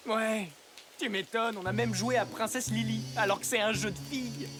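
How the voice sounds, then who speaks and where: A woman's voice: a little high, steady tone, moderate pace, over music, natural voice. A woman voicing a cocky, boastful young boy superhero for a French cartoon dub.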